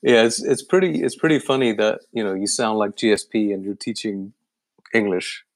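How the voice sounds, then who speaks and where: A man from Iceland hosting a casual language chat, easygoing and quick to agree. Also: on the low side, no echo. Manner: easygoing, affirming, repeats yeah. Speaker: host, language teacher.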